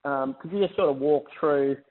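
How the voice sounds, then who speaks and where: A man's voice: fairly high pitch, normal speed. A man calls in as an investor, putting questions conversationally on an earnings call. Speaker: investor caller. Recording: narrow, tinny phone line.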